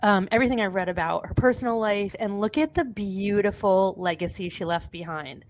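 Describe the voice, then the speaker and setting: A woman's voice: mid-range voice, brisk. Sniffly, sweary woman podcast host. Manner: blunt, sweary. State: sniffly with a cold. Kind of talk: casual podcast chat.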